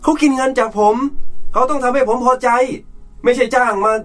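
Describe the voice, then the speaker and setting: A man's voice: high-pitched, very animated, fairly quick, a bit bright, soft background music, full character voice. An actor playing a bossy, self-righteous rich businessman and father who scolds his staff and family. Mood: indignant. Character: domineering rich middle-aged businessman father.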